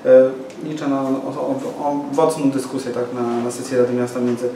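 A man's voice: mid-range voice, completely flat delivery, fairly quick, warm tone. Hesitant man, echoey press room. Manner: hesitant, many fillers and restarts. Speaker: local party activist at press conference. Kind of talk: press conference statement. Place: small office room with window. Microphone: far camera mic. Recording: echoey room from far off, noisy.

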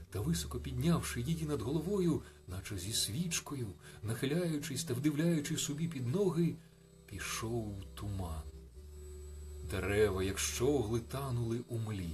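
A man reading a bedtime story on the radio in a calm, soft, reflective manner. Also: mid-range voice. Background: faint music.

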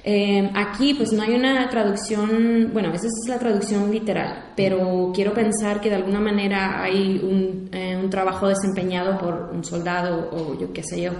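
A woman's voice: mid-range voice, level tone, normal speed, few pauses, a little mellow. A woman in her twenties, from Mexico, with a Mexican Spanish accent, giving an informal talk in a university hall with many fillers and restarts. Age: 20s. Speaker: invited speaker, war veteran. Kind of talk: public talk to an audience. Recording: echoey lecture hall.

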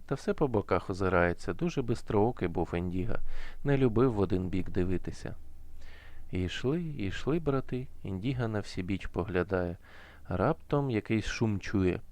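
Man, storyteller, folk tale, very deep voice, measured rhythm, dry sound. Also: darkish tone, dry recording.

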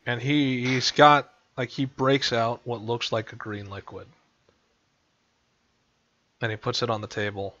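A man's voice: mid-range voice, flat delivery, a little slow, pauses often, fairly bright tone. A man narrating as game master over voice chat, laughing often and slipping into character lines. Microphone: headset over voice chat. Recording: dull lo-fi voice chat.

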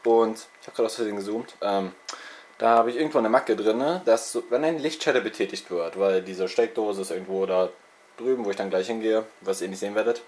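A man's voice: on the low side, fairly quick, a little mellow. Young man rambling casually with a slight cold. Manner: loose, chatty, self-mocking, filler-heavy. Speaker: let's play channel host. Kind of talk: casual rambling info vlog. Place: bedroom with TV and consoles, indoors. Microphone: handheld video camera's built-in mic.

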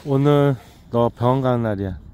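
A man's voice: mid-range voice, moderate pace, a little mellow, slight background noise. A man talking casually to rescued dogs in a rural yard. He baby-talks to the puppies and laughs often. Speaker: vlogger caring for rescued dogs. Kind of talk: casual vlog talk to dogs and viewers. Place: rural yard with dog kennels.

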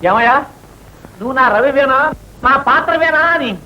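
An actor playing a flustered, pompous writer in a film comedy, with a theatrical manner. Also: male voice, extremely high pitch, moderate pace, bright, forceful tone, exaggerated voice. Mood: fussy. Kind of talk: 1980s film comedy acting. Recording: dull old film soundtrack with faint hiss.

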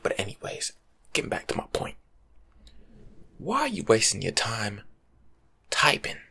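A young American man giving casual, slangy life-coach advice in an ASMR monologue, breathy and often dropping to a whisper. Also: on the low side, huge pitch swings, measured pace, pushed and bright. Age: young adult. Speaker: ASMR video creator. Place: small room at home, indoors.

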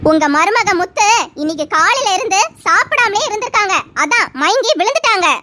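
A woman's voice: extremely high pitch, lively intonation, brisk, heavily acted. A woman voicing a lecturing cartoon doctor. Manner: lecturing, scolding kindly. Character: calm advising doctor. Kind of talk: cartoon voice acting. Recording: loud background noise.

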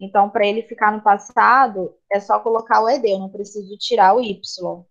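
A woman's voice: mid-range voice, steady tone, brisk. A woman with a Brazilian Portuguese accent, teaching a class online and patiently explaining grammar while checking in with students. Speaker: English teacher. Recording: slightly dull lo-fi audio.

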